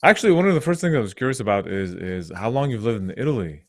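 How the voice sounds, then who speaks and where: A man hosting a casual interview, asking friendly questions with frequent pauses and restarts. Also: fairly low pitch, very animated, no room sound, studio quality. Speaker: host.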